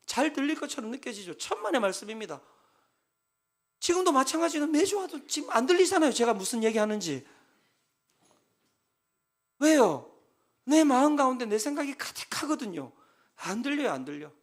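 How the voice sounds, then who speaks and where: A man preaching a Sunday sermon as pastor, lively and emphatic, at times shouting as he acts out counseling talks. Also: very high-pitched, moderate pace, pauses often.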